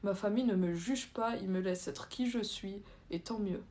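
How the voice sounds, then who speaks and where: A woman's voice: medium pitch, normal speed, dark tone. Casual young woman livestreaming. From France. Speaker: livestream host. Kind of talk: casual live chat, reading out and answering viewer comments.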